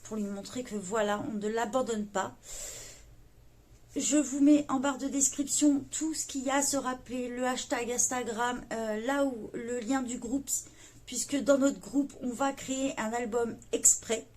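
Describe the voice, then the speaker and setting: Soft-spoken French woman, hesitant and earnest. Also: fairly high pitch, steady tone, unhurried. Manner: hesitant, many fillers, gentle and earnest. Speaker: YouTube coloring channel host. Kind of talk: casual video address to viewers.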